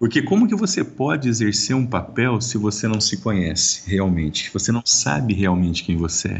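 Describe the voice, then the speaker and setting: A man with a fairly low pitch speaks at a moderate pace with ordinary pitch variation. He leaves hardly any pauses. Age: 40s. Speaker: family ministry leader and author. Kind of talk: interview. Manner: hesitant, repeats words.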